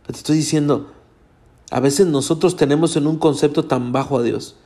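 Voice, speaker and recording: A man's voice: on the high side, brisk, mellow. A Hispanic man, a pastor, preaching an earnest sermon straight to his congregation. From Latin America. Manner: earnest, direct address to congregation.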